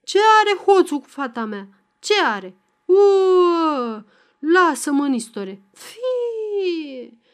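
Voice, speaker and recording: A woman's voice: very high-pitched, big pitch swings, voice pushed up. A woman voicing a drunk, furious middle-aged peasant father who bellows threats. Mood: raging.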